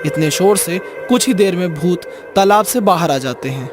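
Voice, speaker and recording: Higher-pitched male horror story narrator. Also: moderate pace. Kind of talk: scripted cartoon horror narration. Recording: music behind the voice.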